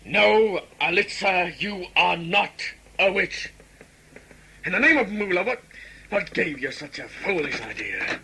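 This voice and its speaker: A man's voice: sits high, expressive, unhurried, vocal fry, pushed and bright, breathy edge, exaggerated voice. A man acting a proud, commanding tribal lord and stern adoptive father in a sci-fi audio drama, speaking formally. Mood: forceful. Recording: amateur audio play with background noise.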